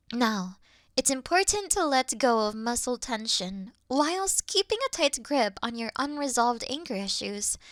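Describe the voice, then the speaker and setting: A woman playing an awkward, officious moth girl in a sleep-aid ASMR roleplay, speaking softly and deliberately in a dry bedside murmur that slips into whispers. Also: a little high, no echo, full character voice. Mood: earnest, dry. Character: awkward, officious young female moth monster offering comfort.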